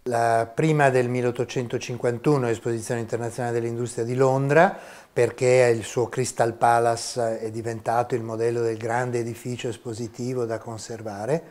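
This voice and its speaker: Un uomo sulla sessantina, professore universitario, risponde alle domande con tono misurato e spiegativo. La voce ha un'altezza media, né grave né acuta. Si sente ripreso da vicino con un microfono a clip, in un piccolo ufficio. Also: male voice, mid-range voice, level tone, darkish tone. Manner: measured, explanatory, gesturing with his hands. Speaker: history of science professor. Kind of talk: interview answers. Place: small university office. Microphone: lapel mic.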